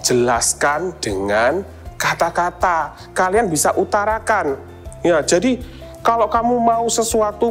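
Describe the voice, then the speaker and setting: A young woman with an Indonesian accent leading a children's church lesson, speaking in an animated, coaxing way and putting on high whiny kid voices for examples. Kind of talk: children's sermon.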